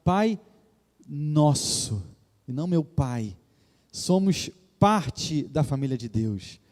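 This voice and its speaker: Man, Rio de Janeiro accent, pastor preaching, reverent, earnest, mellow tone, long church echo. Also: a little high, expressive, takes it slowly. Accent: Brazilian Portuguese, Rio de Janeiro. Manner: addresses the congregation as "queridos" often. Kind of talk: sermon. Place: church sanctuary.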